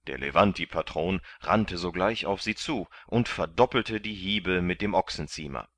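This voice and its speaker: A man reading a classic novel aloud as narrator, in a measured, even way. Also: sits low, no echo. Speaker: audiobook narrator.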